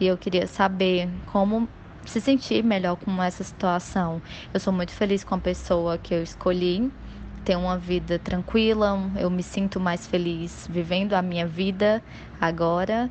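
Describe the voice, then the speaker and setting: At a fairly slow pace, a woman with a normal speaking voice talks at medium pitch with fairly even intonation. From Fortaleza, northeast Brazil. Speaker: listener. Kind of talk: voice message.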